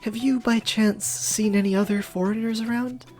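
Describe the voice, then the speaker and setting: A woman's voice: fairly high pitch, steady tone, normal speed, warm tone, soft background music, close to an everyday voice. A woman voicing an earnest young foreign woman in a story game, chatty, easily flustered and prone to stammering. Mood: earnest, polite. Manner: stammering, indignant when teased. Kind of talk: dramatic character voice reading of a story game.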